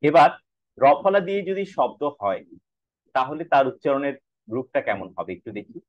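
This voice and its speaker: A man teaching an online class on pronunciation, saying each example word slowly and clearly, sometimes several times. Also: mid-range voice, sing-song, no room sound. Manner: slow, drawn-out modelling of words. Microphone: video call. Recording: dull lo-fi online call audio.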